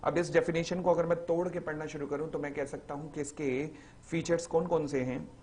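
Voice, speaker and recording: A man teaching a recorded exam-revision lecture, acting out little stories and reading definitions slowly, word by word. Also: a little high. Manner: lively, acts out little stories in the examples.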